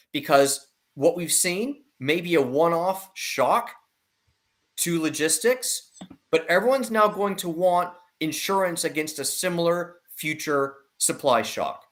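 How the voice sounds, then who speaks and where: A man's voice: a little high, animated, slow, a bit bright. Emphatic man giving market commentary. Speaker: investment analyst guest. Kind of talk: market commentary in an online discussion.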